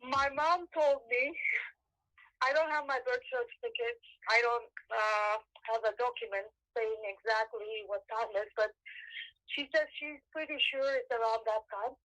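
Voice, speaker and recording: A woman's voice: a little high, steady tone, moderate pace, a bit bright. A woman in her forties from Turkey, calling in to a wellness show and speaking politely and a little hesitantly over a phone line. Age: 40s. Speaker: caller. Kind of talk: phone-in call with an astrologer.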